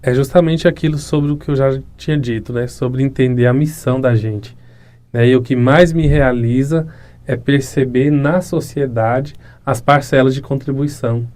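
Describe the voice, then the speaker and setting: A municipal education secretary in his thirties with a Goiás Brazilian Portuguese accent answers interview questions as a guest, earnestly and reflectively, often ending phrases with a tag question. His mid-range voice is darkish, with fairly even intonation and a moderate pace.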